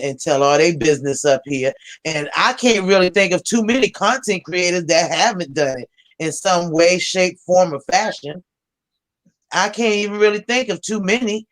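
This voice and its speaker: A woman's voice: low voice, dry recording. An American woman hosting a live chat, speaking casually in an earnest, conciliatory way. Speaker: host of a live panel chat.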